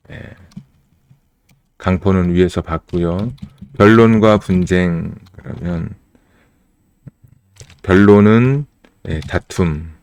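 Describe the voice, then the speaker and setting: A male pastor giving a sermon, explaining the meaning of words slowly and pausing between phrases. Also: fairly low pitch, darkish tone, dry recording. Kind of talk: sermon teaching on scripture. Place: church.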